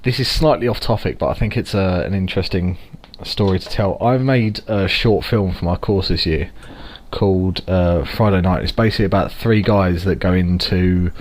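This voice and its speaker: A man's voice: low voice, normal speed, hardly any pauses, a little mellow. A young man with a London accent, co-hosting a podcast in loose, jokey chat full of fillers. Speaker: podcast co-host. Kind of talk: casual chat.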